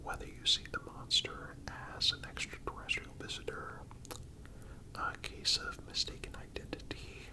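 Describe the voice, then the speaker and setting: A man whispers a scripted ASMR narration without voicing, his breathy delivery deliberate and broken by pauses between each phrase.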